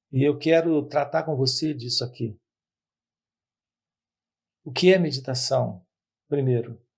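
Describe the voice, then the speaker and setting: A man giving a spiritual talk to his channel's viewers, speaking in measured phrases with repetitions and pauses. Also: mid-range voice, slightly rough. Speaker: spiritual teacher.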